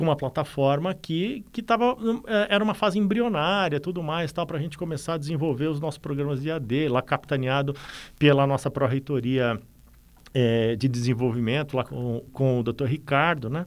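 A man's fairly high voice at a moderate pace, with lively intonation, on a very clean recording with a silent background. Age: 50s. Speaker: journalism and oratory professor. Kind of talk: interview. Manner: halting, many repetitions.

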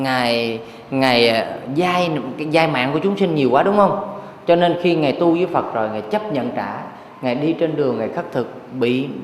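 Speaking at a moderate pace, a woman has an animated tone and a very deep, low pitch, with long, frequent pauses. Audible room echo and noticeable background noise are present. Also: lively intonation. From southern Vietnam, Củ Chi. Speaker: Buddhist dharma speaker. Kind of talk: dharma talk. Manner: animated, acts out everyday dialogue with laughter.

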